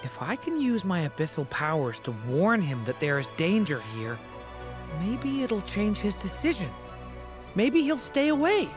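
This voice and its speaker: An actor voicing an earnest, hopeful young mage with abyssal power in a game. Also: male voice, high voice, sing-song, a little slow. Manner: earnest, hesitant questions. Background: game music.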